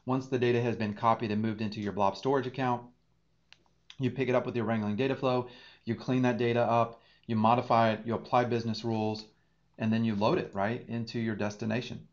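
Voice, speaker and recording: A man's voice: mid-range voice, level tone, brisk. Male instructor, 30s, explanatory tutorial read, slightly muffled home-office audio. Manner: explanatory, talks through each click. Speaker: data engineering instructor. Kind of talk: screen-share tutorial.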